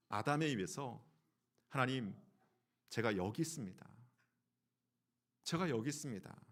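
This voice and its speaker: A man's voice: sits high, a bit bright. A man, a pastor, preaching a Sunday sermon. He asks the congregation questions and acts out quoted lines in a changed voice. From South Korea. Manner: fillers and restarts.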